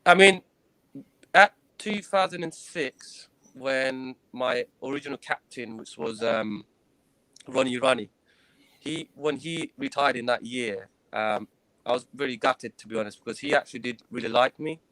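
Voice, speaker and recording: Earnest man in his thirties, interview guest, halting delivery, mid-pitched voice, dry close sound. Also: bright, forceful tone, no echo, low-quality recording. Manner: earnest, hesitant, frequent pauses and restarts. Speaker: guest, former professional cricketer. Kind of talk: recounting personal experiences in an interview.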